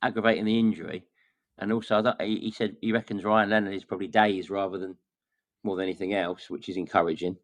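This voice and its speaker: A man giving measured, conversational football analysis as a podcast guest. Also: sits low, steady tone, no echo. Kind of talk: casual football chat.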